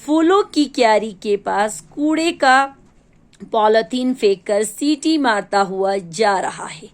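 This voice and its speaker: Storybook garbage bin, male, sorrowful and pleading, slow delivery, a bit high-voiced, read out by a woman teacher. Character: sad, helpless talking garbage bin, male.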